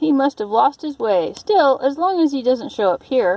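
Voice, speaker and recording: A female-sounding voice uses a high-pitched put-on character voice. The pace is moderate. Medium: read story. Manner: irritable, blustering.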